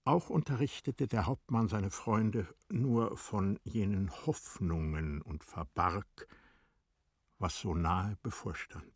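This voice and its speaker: A man with a lowish, breathy, husky voice narrates a literary radio drama. His storytelling is measured and expressive, and the sound is dry, with no room to it. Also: dry recording.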